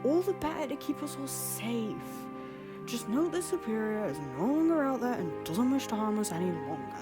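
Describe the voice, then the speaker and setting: Female actor as young royal lord, higher-pitched, very animated, earnest, emotional, audio drama, music behind. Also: normal speed. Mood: firm, guarded.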